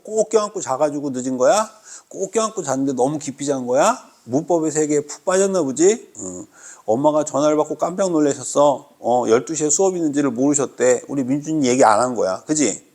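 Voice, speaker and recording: A male teacher lecturing a room of students at a medium pitch. He fires quick questions at the class and ribs them with playful mock-scolding. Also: darkish tone. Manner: teasing, mock-scolding, quizzing students constantly. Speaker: Korean language teacher.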